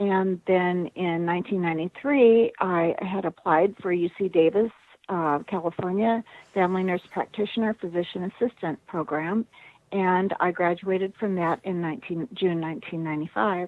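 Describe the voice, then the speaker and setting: With ordinary pitch variation and a moderate pace, this is an unremarkable speaking voice. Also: woman, medium pitch for a woman. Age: 60s. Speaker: nurse practitioner and chronic pain patient. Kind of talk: interview.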